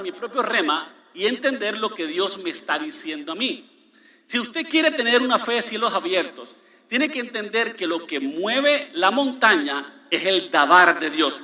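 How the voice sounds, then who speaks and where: A man preaching in a big church, his high, piercing voice ringing through an echoing hall. He leans hard on key words, repeats them, and keeps asking the congregation whether they follow. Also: sharp tone. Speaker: pastor. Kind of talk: sermon. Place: large church.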